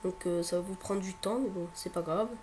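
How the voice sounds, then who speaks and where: A man's voice: sits high, steady tone, brisk, darkish tone. Man, has a cold, tutorial presenter, hesitant, repeats words, lots of fillers, faint hum behind. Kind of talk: screen-recording tech tutorial.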